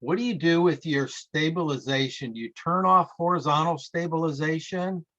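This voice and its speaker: A man's voice: on the high side, normal speed, fairly bright tone. A man, a club member, asking a technical question on a video meeting, stumbling a little at the start. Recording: dull muffled mic.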